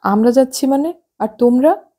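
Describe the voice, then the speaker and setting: A woman reading the part of a spirited young married woman in an audiobook, speaking in a higher, lively, scolding tone. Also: moderate pace, close to an everyday voice. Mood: teasing.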